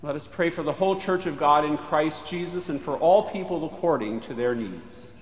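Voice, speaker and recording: A man leading formal church prayer with solemn, measured phrasing in a reverberant chapel. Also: fairly high pitch. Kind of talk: formal spoken liturgical prayer. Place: large chapel. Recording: echoey chapel with long reverb.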